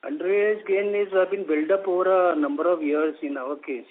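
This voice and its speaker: A man's voice: sits high, steady tone, normal speed. A man with an Indian accent answering as a company executive on an earnings call, in broken-up phrases. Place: conference phone call. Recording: narrow noisy phone line.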